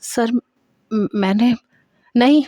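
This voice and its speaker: A woman's voice: a little high, steady tone, dark tone, no echo, natural voice. Timid young female trainee as a woman narrator plays her, trembling and hesitant, stumbling over words, dry sound. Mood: nervous. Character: frightened, tearful young female trainee doctor.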